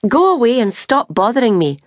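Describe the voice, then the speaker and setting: A woman voicing a proud young woman with a sharp, cold way of speaking. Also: fairly high pitch, very animated, a little fast, no room sound, clean studio sound, pitched above the performer's own voice. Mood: icy.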